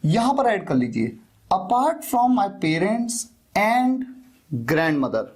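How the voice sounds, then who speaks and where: Husky man teaching spoken English. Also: high-pitched, darkish tone. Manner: explains step by step, says example phrases slowly. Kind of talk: explanatory spoken-English lesson.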